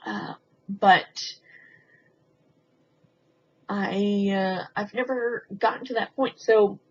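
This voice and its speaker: A woman talking in a casual, rambling confessional vlog, hesitant and halting as she thinks aloud with frequent ums. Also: mid-range voice, fairly even intonation. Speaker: video blogger. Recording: muffled lo-fi sound with faint background noise.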